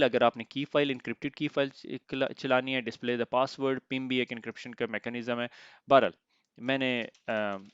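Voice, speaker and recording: A man teaching an IT lesson step by step, pausing often to check in, his throat slightly sore. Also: mid-range voice, smooth, no room sound, dull audio. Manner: explains step by step, often asks "theek hai?". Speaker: IT instructor. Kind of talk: screen-recorded software tutorial.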